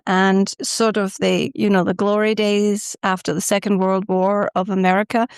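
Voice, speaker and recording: Slow-spoken Scottish woman. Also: medium pitch, smooth, dry recording. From Scotland. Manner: reflective, unhurried, with filler pauses. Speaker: podcast guest. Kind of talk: casual interview storytelling.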